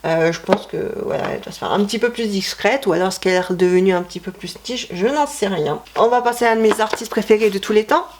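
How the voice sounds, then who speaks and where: Woman vlogger, mid-pitched, rambling casual chat, faint noise behind. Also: fast talker, hardly any pauses. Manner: chatty, rambling, self-correcting with many fillers. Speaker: vlogger showing her CD collection.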